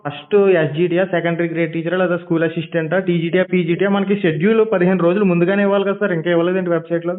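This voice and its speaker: Rapid-fire high-voiced man on muffled call. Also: little pitch movement. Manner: persistent, pressing. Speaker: channel reporter calling a helpline. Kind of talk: phone questioning. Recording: muffled recorded phone call.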